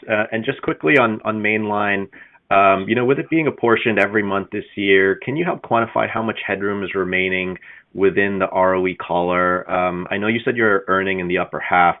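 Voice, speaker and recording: A man working as a financial analyst, asking business questions in a polite, hesitant, conversational way. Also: sits low. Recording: dull band-limited phone audio.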